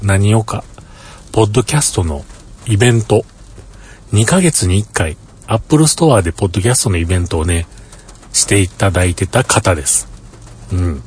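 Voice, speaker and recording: A man with a Kansai accent talks in a relaxed tone at a moderate pace, his fairly low voice carrying lively intonation between long, frequent pauses. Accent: Kansai Japanese. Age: 50s. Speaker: podcaster. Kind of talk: casual monologue.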